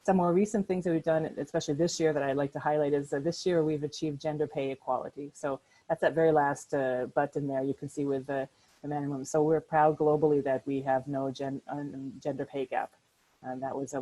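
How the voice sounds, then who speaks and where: A middle-aged American woman giving a conversational presentation over a video call from her apartment, often pausing with fillers and restarts. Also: sits low, steady tone, dark tone, rough recording. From United States. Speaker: workshop speaker. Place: apartment at home.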